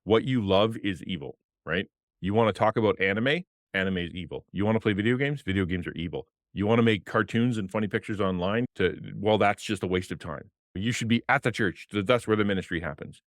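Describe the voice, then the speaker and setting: A middle-aged man and former pastor with a deep voice, talking passionately as a guest on a video-call podcast at a desk mic. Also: brisk, dry recording, clean studio sound. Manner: passionate, animated, gestures with hands. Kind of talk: casual interview talk. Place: home streaming room with colored lights. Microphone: desk podcast mic on arm, headphones.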